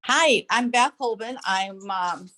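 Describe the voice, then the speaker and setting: A woman's voice: medium pitch, slow, sharp tone. A woman introducing herself as club administrator on a video call while driving, heard through a car speakerphone with a hesitant, apologetic manner. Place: inside a moving car. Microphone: phone speaker in the car, joined audio-only.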